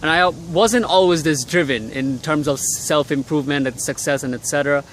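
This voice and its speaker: A man's voice: a little high, moderate pace, slight background noise. Blunt, swearing young man outdoors. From Bangladesh. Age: young adult. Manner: blunt, swears freely, animated emphasis. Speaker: vlogger. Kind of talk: casual motivational vlog. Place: outdoors in cold city air.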